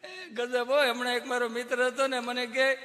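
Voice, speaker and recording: Very high-pitched and at a moderate pace, a stand-up comedian's voice fills a big room. He tells Gujarati folk comedy tales on stage, animatedly acting out mothers, children and doctors along the way.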